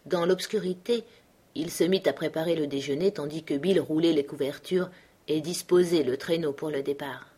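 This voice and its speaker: Calm woman reading an audiobook. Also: deep voice, husky. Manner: calm, measured storytelling. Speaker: audiobook reader. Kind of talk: audiobook narration of a classic novel for schoolchildren.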